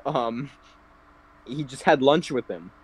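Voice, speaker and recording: A man co-hosting a podcast, spinning rambling stories in a mid-pitched voice. He leans on fillers and restarts and swears casually as he goes. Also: expressive, slow, husky, rough recording. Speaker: podcast co-host. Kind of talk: casual chat.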